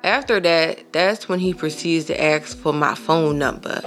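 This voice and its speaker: A woman in her thirties hosting a podcast, telling a personal story in a casual, animated way with emphatic asides to her listeners. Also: sits low, measured pace, soft background music. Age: 30s. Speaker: podcast host.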